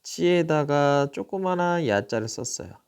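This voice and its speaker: A middle-aged man teaching a recorded lesson in a smooth, clear voice that rises and falls a lot. He speaks at an unhurried pace, asks the class a question and then answers it himself. He repeats each syllable slowly so every sound is distinct. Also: a little high, animated. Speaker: Japanese teacher.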